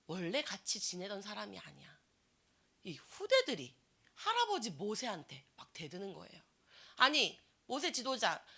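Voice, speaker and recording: A woman's voice: a little high, bright, forceful tone. A woman preaching a sermon to a church youth group, asking the teenagers many questions and acting out the people she describes. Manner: acts out complaining voices in quotes.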